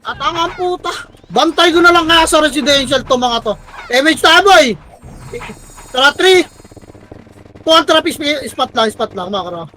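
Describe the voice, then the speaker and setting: Shrill, exasperated woman barking game commands. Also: lively intonation, slight background noise, rough recording. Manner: barks rapid commands and swears constantly at teammates; exasperated, frequently shouting. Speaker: team commander in an online strategy game. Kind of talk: live gameplay shot-calling.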